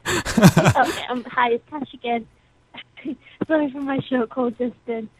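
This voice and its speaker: A woman's voice: a little high, slow pace, darkish tone, breathy edge. A woman with an Australian accent leaving a casual voicemail message as a caller. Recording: narrowband voicemail phone line.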